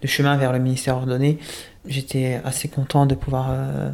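Young man in his twenties, seminary candidate, gravelly and flat delivery, hesitant and reflective, full of pauses. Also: mid-range voice. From Italy. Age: 20s. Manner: hesitant, thoughtful, many pauses and restarts. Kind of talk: casual interview answers.

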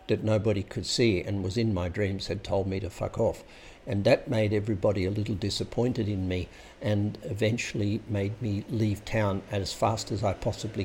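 Guy rambling thru a personal story, lots of pauses, bit of faint background hiss. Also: fairly low pitch, a little mellow. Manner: rambling, hesitant, anecdotal. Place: Sydney home base.

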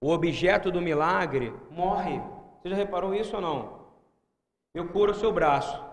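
A man's voice: high voice, normal speed, in a large hall. A man preaching a sermon emphatically, calling out questions to the congregation.

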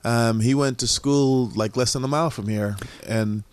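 A middle-aged man from Jamaica, a museum founder and guest, talking casually in a relaxed way with frequent pauses. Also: mid-range voice, smooth, no room sound. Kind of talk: casual conversation.

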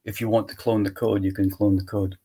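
A man walking through his software tool in a live screen-share demo, thinking aloud step by step. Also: lowish voice, level tone, brisk, breathy edge. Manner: walks through steps aloud, thinking as he goes.

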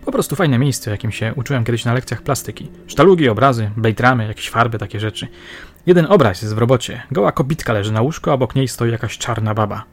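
A man voicing a gruff, blunt, talkative male police sergeant in an audiobook. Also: mid-range voice, lively intonation, fast. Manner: blunt, slangy.

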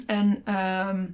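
A woman's voice: medium pitch, darkish tone. A woman co-hosting a casual podcast from a desk beside her partner, telling a story with many fillers and restarts. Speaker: podcast co-host.

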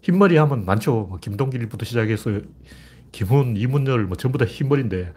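An older man talks through a loose, rambling commentary with a husky, slightly breathy voice at a middling pitch. He is blunt and rough-spoken, and he fills his talk with casual asides. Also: lively intonation, a little fast, a little mellow.

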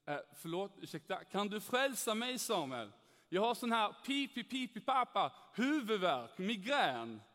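A man voicing a loud, mocking young woman with a Skåne accent, the queen of an office sales team. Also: medium pitch, sing-song, big-room sound, pitched above the performer's own voice. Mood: teasing.

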